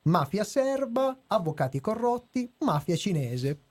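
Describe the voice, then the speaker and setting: A man's voice: high-pitched, sing-song, unhurried, a little mellow. A man co-hosting a podcast, reading a prepared review with some hesitations and chatting with co-hosts. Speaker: podcast host. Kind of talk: casual chat and read review.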